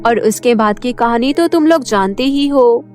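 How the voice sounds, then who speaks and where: A woman's voice: on the high side, expressive, normal speed, darkish tone, faint music behind, lightly acted. A woman voicing an earnest, worried female fairy in a cartoon story. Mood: explaining.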